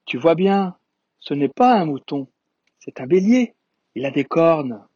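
A little boy prince from another planet, curious and insistent, speaking high and earnest, as a male reader puts him on. The voice is husky, with a dry, close sound. It comes through a dull, lo-fi recording. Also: sing-song, unhurried, a little mellow, no room sound, heavily acted. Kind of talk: storybook read-aloud.

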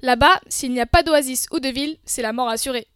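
A young woman co-hosting a scripted debate show, lively and opinionated. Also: sits high, fairly quick, clear, resonant tone, dry recording, studio quality. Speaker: co-host.

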